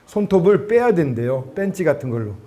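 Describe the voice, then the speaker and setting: A man preaching a sermon to students, telling a personal story in an animated way and acting out the people he quotes. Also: on the high side, a little fast. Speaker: preacher at student gospel camp.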